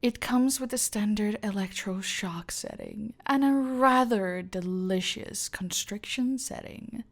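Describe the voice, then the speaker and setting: A woman voicing a cold, domineering female cartel boss in an ASMR roleplay, speaking in a slow, deliberate, menacing whisper. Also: medium pitch. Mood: silkily menacing. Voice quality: soft, close whisper.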